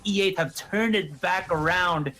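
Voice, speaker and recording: Guy calling an esports match play by play, high voice, gets loud and excited on big plays. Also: unhurried. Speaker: esports caster. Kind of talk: play-by-play commentary.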